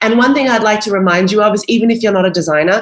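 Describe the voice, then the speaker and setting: A woman speaks with an Australian accent at a fairly high pitch. Her pitch variation is ordinary. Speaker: sustainability designer and speaker. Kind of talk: lecture. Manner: fast.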